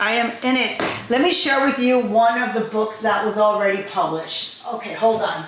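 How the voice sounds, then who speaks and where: A woman's fairly high, animated voice with audible room echo and noticeable background noise. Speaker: self-published novelist. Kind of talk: casual product walkthrough.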